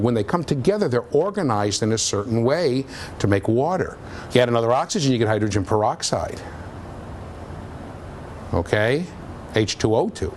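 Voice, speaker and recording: A university lecturer with a lively, low male voice gives a classroom lecture in a lecture room, with a little hiss or hum. He's conversational and checks understanding with frequent "okay?".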